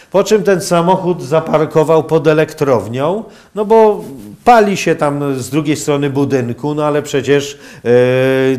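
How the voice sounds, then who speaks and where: Slow, halting older man lecturing. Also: a little high, a little mellow. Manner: halting, hesitant phrasing with long pauses. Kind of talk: public lecture. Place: university lecture hall, indoors.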